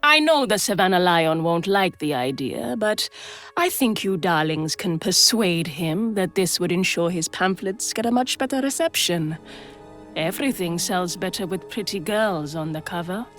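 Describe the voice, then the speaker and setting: A woman's voice: fairly low pitch, expressive, moderate pace, fairly bright tone, faint music behind. A woman voicing a worldly, sardonic, protective brothel madam in a video game, with a theatrical, coaxing manner. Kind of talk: scripted game dialogue.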